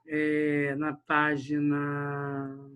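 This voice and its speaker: A man's voice: on the high side, monotone, very slow, fairly bright tone, clear, resonant tone. Man teaching a literature class. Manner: tags sentences with "né?" and "olha só", addresses the class directly. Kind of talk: online class lecture.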